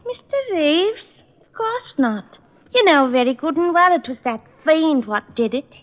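An actress playing an outspoken, indignant household maid, speaking emphatically in an old radio drama. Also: female voice, high-pitched, expressive, unhurried. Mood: upset, indignant. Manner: emphatic, unpolished speech. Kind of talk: 1940s-50s radio drama acting. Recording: thin, phone-like old radio recording.

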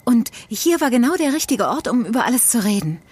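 A woman's voice: fairly high pitch, sing-song, a little fast, a little mellow, husky, dry recording. An actress playing a tender, easily frightened young woman in a German horror audio drama, with emotional, dramatic delivery. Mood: sad, confiding. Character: frightened, tender young woman Mary, grieving her mother.

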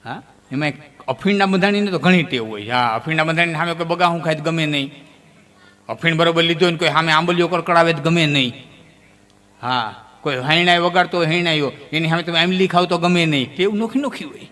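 A man telling comic folk tales to a live audience, his voice pitched a little high and ringing bright. He leaps up suddenly in pitch as the stories build. A long hall reverb trails every line. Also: a little fast. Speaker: folk storyteller. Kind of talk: folk comedy storytelling on stage.

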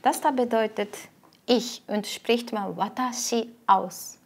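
Young Japanese woman teacher, higher-pitched, slightly creaky. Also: slow pace. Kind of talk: casual explaining. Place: indoor Japanese-style room.

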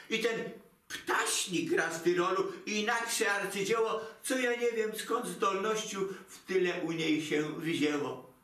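A man's voice: sits high, fairly bright tone. An actor playing a fretful, theatrical elderly Jewish mother who speaks Polish with a Yiddish inflection, lamenting in a singsong voice. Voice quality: singsong lamenting, broken grammar. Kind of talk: comic stage monologue. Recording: roomy, distant mic.

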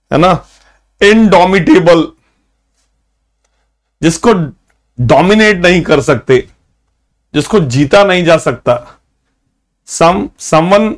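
A man teaching English vocabulary in a live online class, moving between Hindi and English. He reads English examples slowly and praises students by name. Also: a little high. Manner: switches between Hindi and English, with slow, drawn-out English example sentences; praises students by name and urges them to take notes.

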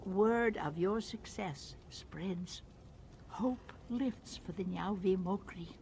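An actress playing a calm, mystical alien tribal wise woman in a video game, measured and formal. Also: mid-range voice, slight background noise. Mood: serene, approving. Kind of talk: video game character acting.

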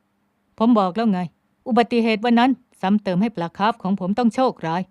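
A woman's voice: a little high, a little mellow, dry recording, clean studio sound, natural voice. A woman voicing a stern young man in an audiobook, speaking firmly and evenly, like a lecturing teacher. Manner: firm and measured.

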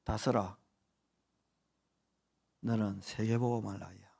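A man's voice: fairly low pitch, steady tone, slow pace, creaky, mellow, breathy edge. A man in his forties with a Gyeongsang accent, preaching a sermon in a church and joking with the children in the pews. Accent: Gyeongsang Korean. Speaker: pastor. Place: church sanctuary during worship.

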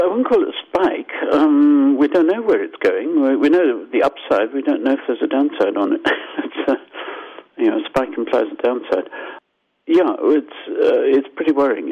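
An older man from Zimbabwe, a scientist guest explaining things thoughtfully in a radio interview, with restarts and lively asides. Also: mid-range voice, moderate pace. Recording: dull lo-fi phone line.

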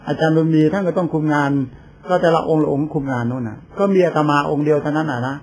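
A man's voice: on the high side, racing, darkish tone. An older man, a Buddhist monk, giving an informal sermon in a chatty storytelling way, acting out other people's lines as he goes. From Thailand. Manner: chatty storytelling with laughs and quoted voices.

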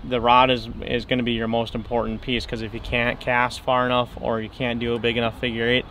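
Young male guide, mid-pitched, casual outdoor interview on a boat, faint background noise. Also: completely flat delivery, brisk, fairly bright tone. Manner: explanatory, many fillers and restarts. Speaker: fishing guide. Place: fishing boat on a lake, outdoors.

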